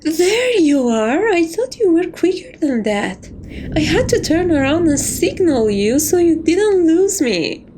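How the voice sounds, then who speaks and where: A woman's voice: extremely high pitch, big pitch swings, unhurried, mellow, slight background noise, voice pushed up, heavily acted. A woman voicing a playful, seductive, possessive catgirl jewel thief in a romantic ASMR roleplay, coy and theatrical in her affection. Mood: teasing, coy.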